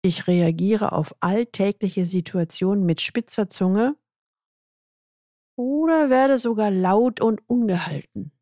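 A woman's voice: mid-range voice, slow, mellow, no echo, studio quality, natural voice. A woman reading a frustrated, stressed executive. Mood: reflective. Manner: tense, exasperated complaining.

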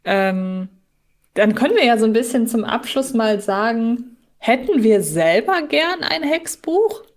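A woman's voice: fairly high pitch, lively intonation, unhurried. A woman co-hosting a casual fan podcast, chatting in a wordy, emphatic way. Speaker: podcast co-host.

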